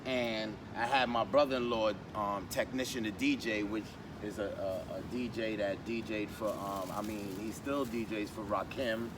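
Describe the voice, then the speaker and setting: A man recalls old days in a loose, rambling way, full of ums and restarts. He sits back from the mic, and the sound is thin and distant. Street noise runs clearly behind him. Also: fairly low pitch, fairly even intonation, moderate pace, few pauses. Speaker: podcast guest. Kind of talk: casual storytelling chat.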